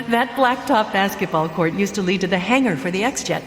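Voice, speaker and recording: A woman's voice: mid-range voice, animated, moderate pace, natural voice. A woman playing a kind, experienced psychic mentor in an audio drama, guiding a recruit with earnest reassurance. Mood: wistful. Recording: echoey, reverberant, noisy.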